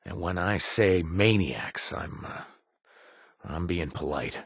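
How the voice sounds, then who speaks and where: Deep husky game guy, sarcastic wasteland ally, dry humor, lots of little uh's, dead dry studio sound. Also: lively intonation, slow, a bit bright, no room sound, full character voice. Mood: wry. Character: wry, sardonic wasteland man worried for his brother. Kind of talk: video game voice lines.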